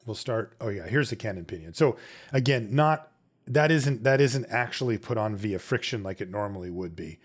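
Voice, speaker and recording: This watch repair channel host explains each step of a tutorial casually, like he's thinking aloud in conversation. His husky, fairly low voice has lively intonation and a normal pace.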